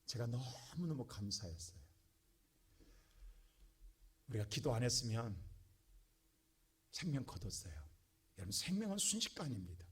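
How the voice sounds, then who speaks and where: Husky, impassioned male pastor preaching. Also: mid-range voice, big pitch swings, moderate pace, pauses often. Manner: impassioned preaching, swings from quiet to shouting. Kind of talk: sermon.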